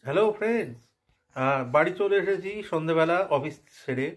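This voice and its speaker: A man with a slightly hoarse voice from a cold, chatting casually with his viewers in a home vlog. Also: fairly high pitch, fairly quick. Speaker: vlogger.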